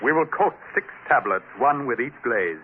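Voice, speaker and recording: An actor playing a proud, solemn alien tribal chief potter in an old radio drama, declaiming in a stern, formal and menacing manner. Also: male voice, medium pitch, animated, moderate pace, close to an everyday voice. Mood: menacing, ceremonious. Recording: noisy, tinny old radio recording.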